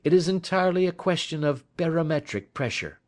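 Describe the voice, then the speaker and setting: A man voicing a wry, unhurried gentleman detective. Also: a little high, expressive, voice pushed up, close to an everyday voice. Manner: dry, offhand.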